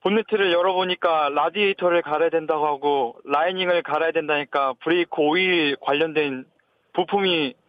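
Male phone-in caller, polite formal speech, slightly high pitch, thin telephone sound. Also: brisk, no echo. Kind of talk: polite, formal reporting of personal troubles. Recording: thin narrow phone line.

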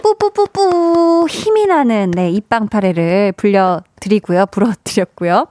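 A woman's voice: on the high side, lively intonation, moderate pace, darkish tone, no echo. Cheerful woman radio DJ, dry studio sound. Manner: cheerful, encouraging. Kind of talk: late-night radio chat, reading listener messages. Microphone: studio microphone.

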